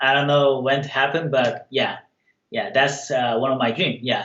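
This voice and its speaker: Flat, monotone intonation marks this voice with a Korean accent. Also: man. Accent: Korean accent, non-native English. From South Korea, Busan. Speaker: magician and quick change artist. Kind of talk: interview. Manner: halting.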